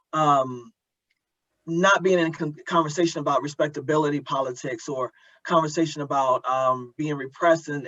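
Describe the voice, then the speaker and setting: Guy hosting a podcast interview, lighter higher voice, thoughtful, hunts for words, kinda dull lo-fi audio. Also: a bit bright, dry recording.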